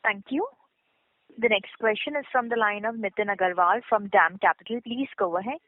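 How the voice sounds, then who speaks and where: A woman works as a conference operator. She speaks in a formal, scripted way at a medium pitch, over a dull telephone line. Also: moderate pace. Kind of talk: formal scripted call moderation. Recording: muffled narrowband telephone line.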